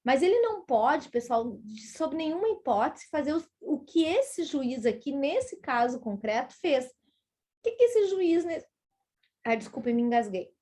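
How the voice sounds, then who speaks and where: A woman's voice: high-pitched, big pitch swings, a little slow, darkish tone. A woman with a Brazilian Portuguese accent giving a university law lecture, explaining step by step and speaking directly to her students. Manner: explanatory, addresses students directly, acts out quoted judges.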